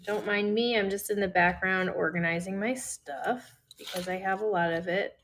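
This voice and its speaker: A woman's voice: medium pitch, moderate pace, fairly bright tone, a little hiss or hum. A woman with a Midwestern American accent hosting a casual livestream jewelry sale, chatting to herself as she lists items. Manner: chatty, talks to herself while listing items.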